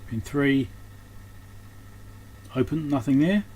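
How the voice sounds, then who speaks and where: A man's voice: mid-range voice, lively intonation, takes it slowly, darkish tone. A man giving casual, unscripted hands-on repair commentary, thinking aloud as he works. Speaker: host of an electronics repair channel. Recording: clearly noisy background.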